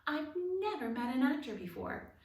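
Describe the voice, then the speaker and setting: A woman's voice: high-pitched, very animated, moderate pace, pitched above the performer's own voice. A woman voicing a kind and brave young boy mouse, a big brother in a children's storybook. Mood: eager. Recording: roomy echo, distant mic, faint noise.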